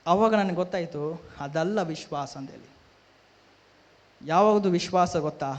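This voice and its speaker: A high-voiced man tells his testimony with fervor, repeating phrases and putting questions to his listeners. His voice rings through a large church hall with a long echo. The recording is dull and lo-fi. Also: a little slow. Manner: fervent, repetitive, with rhetorical questions to listeners. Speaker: church member giving testimony. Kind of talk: emotional personal testimony. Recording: echoey hall, dull lo-fi sound.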